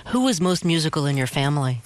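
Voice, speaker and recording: Brief: woman interviewer, lower voice, gentle and measured, dry studio sound. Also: very animated, dry recording. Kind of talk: calm interview questions.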